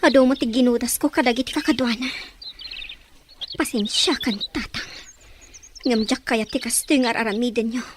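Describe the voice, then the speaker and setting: A rebellious young tribal fighter and regretful daughter in a film drama acted by a woman. Her voice sits a little high, amid clear outdoor noise and chirping. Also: steady tone, moderate pace, long pauses, close to an everyday voice. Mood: regretful resolve. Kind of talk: dramatic monologue in an Ilocano film.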